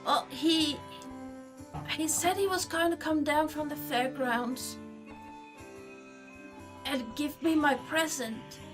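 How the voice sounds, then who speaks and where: A woman's voice: high voice, fairly even intonation, takes it slowly, long pauses, over music, pitched above the performer's own voice. A woman voicing a tiny, frail, leaf-hooded forest creature that talks in a childlike, stammering way. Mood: sulky.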